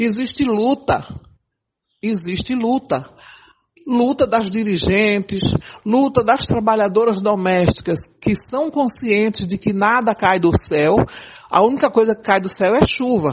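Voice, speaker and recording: This woman has a fairly high voice and lively intonation, with big swings in loudness. She talks fairly slowly, leaving long, frequent pauses. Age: 60s. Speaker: domestic workers' union leader. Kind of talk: interview.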